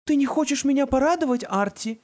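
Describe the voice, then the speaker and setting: A woman voicing a sickly mother possessed by a vengeful sorceress, with a shrill, shrieking manner, in an audiobook reading. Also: expressive, brisk, darkish tone. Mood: coaxing. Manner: shrill, shrieking, hissing threats.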